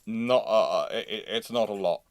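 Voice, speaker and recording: A man hosting a casual live question-and-answer stream, speaking haltingly, often repeating phrases and interrupting himself. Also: lowish voice, dry recording, clean studio sound. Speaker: livestream host.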